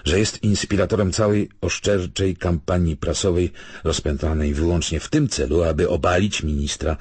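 A man narrating an audiobook, reading literary prose and letters in a measured, formal way. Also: deep voice, steady tone, darkish tone, husky, no room sound.

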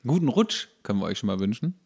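Gravelly low-voiced man in casual chat. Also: sing-song, fast talker, a little mellow. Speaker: podcast co-host. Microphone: studio microphone.

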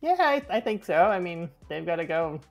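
A man, a guest on a podcast, telling animated birding stories with frequent laughter. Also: high voice, moderate pace, vocal fry, soft background music. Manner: enthusiastic, laughs often. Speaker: guest birder. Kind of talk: casual interview storytelling.

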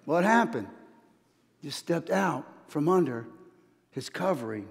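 Animated preacher with a ringing hall echo. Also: male voice, on the high side, slow pace, vocal fry. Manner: storytelling preacher, animated, swings between soft asides and loud emphasis. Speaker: pastor. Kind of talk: sermon. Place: church stage, large hall. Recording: long church hall reverb.

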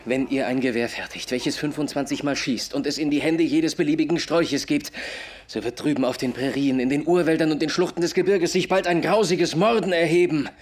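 A man's voice: a little high, a little fast, close to an everyday voice. An actor playing an earnest, polite, outspoken young man, a newcomer, in a radio play, speaking articulately. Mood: grave, accusing. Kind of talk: German radio play acting.

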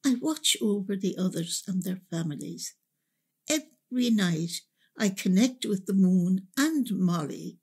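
A woman with an Irish accent playing the peaceful spirit of an old mother, gentle and measured, in a radio drama. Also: medium pitch, lively intonation, breathy edge. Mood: tender.

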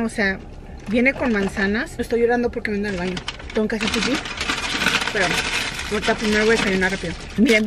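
A woman in her thirties chatting to her viewers from the driver's seat as she runs errands. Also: on the high side. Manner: chatty, switches into English with staff and kids. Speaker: vlogger. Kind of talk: casual chat to camera while driving. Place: inside a car, in a drive-through and parking lot. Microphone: camera mounted on the dashboard. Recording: car interior with clear road noise.

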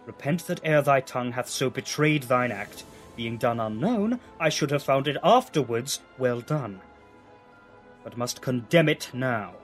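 An actor playing a proud, hearty Roman commander in a Shakespearean audio drama, declaiming with authority. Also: male voice, mid-range voice, animated, unhurried, faint music behind, lightly acted. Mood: stern.

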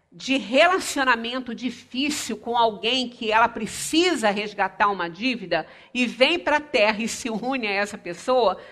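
A woman's voice: a little high, fairly bright tone. A middle-aged woman from Brazil giving a spiritist lecture in a small meeting room, gesturing broadly and speaking conversationally. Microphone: far camera, standing speaker.

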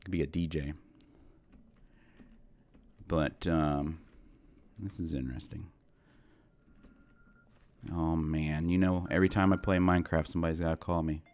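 This gaming channel host, a man in his thirties, is under the weather and losing his voice as he chats self-deprecatingly through casual Minecraft commentary. He has a very deep, darkish voice with fairly even intonation, a measured pace and frequent pauses. Slight background noise is audible.

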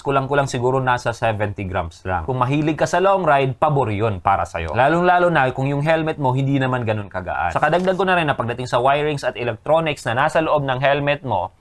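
A Filipino man giving a casual, scripted voice-over as a motorcycle gear reviewer. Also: medium pitch.

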